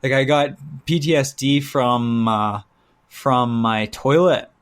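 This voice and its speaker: A man co-hosting a podcast, telling everyday stories in a casual, halting way. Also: mid-range voice, a bit bright, clear, resonant tone. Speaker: podcast co-host. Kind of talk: casual banter and anecdotes.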